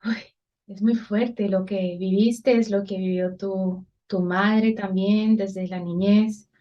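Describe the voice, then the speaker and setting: Slow-speaking woman host, gently moved. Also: medium pitch, steady tone. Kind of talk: responding to a testimony. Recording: dull lo-fi sound.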